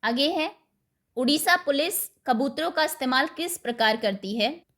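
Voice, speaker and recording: Slow, patient teacher woman. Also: high voice, lively intonation, fairly bright tone. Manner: slow, patient, dictates words one at a time. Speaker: school teacher. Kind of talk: explaining a Hindi worksheet to primary pupils.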